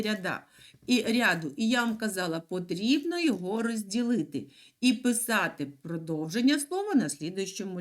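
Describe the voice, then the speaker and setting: A middle-aged woman teaches a class of young children. Her voice swoops up and down in a lively, sing-song way, stretching out each key syllable as she explains. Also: mid-range voice. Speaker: primary school teacher. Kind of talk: recorded lesson for children.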